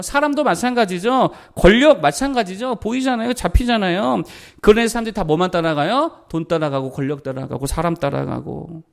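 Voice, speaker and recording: A man in middle age preaches a sermon in a fairly high voice with a gravelly edge. He keeps putting rhetorical questions to his listeners and answering them himself. When he reads scripture aloud, he slows to a measured pace. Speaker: pastor.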